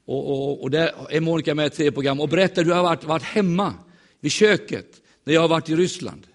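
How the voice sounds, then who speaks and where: A man preaching in a church, telling stories in a lively, joking way and acting out the voices of the people in them. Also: a little high. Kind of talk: humorous sermon storytelling.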